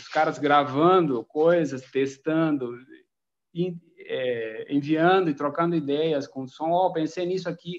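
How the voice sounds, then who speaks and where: With an Argentine accent, a man speaks at a very slow pace in a fairly high pitch, his intonation fairly even but his loudness swinging widely. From Argentina. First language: Spanish (speaking Portuguese). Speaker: film editor. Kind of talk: panel discussion.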